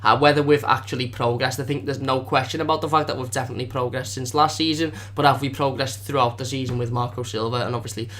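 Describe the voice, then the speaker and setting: A man's voice: mid-range voice, steady tone, fairly bright tone. A young man hosting a casual live stream as a fan channel host, rambling with lots of fillers, feeling slightly under the weather. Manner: fast, rambling, filler-heavy.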